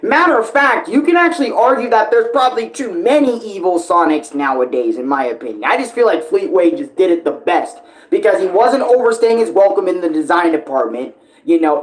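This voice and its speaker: A man's voice: sits high, rough recording. A young man giving casual fan commentary as an online creator, rambling informally with hesitations, digressions and swearing.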